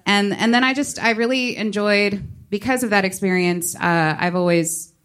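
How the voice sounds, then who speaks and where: A woman's voice: medium pitch, normal speed, fairly bright tone, smooth. A woman, a stand-up comedian talking casually on a panel, with wry, dry asides.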